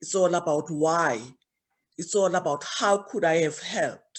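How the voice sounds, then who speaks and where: A woman at a fairly low pitch and a fairly slow pace. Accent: South African. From South Africa, Setswana-speaking. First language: Setswana. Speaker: psychologist. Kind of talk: lecture. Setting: video call.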